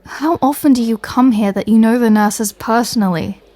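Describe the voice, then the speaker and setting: A fed-up superhero woman, acted by a woman for a comedy audio roleplay. Her voice sits a little high with a mellow tone and no room sound. Her delivery is dry and sardonic. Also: moderate pace, no room sound, natural voice. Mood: annoyed. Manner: dry, irritated, sarcastic.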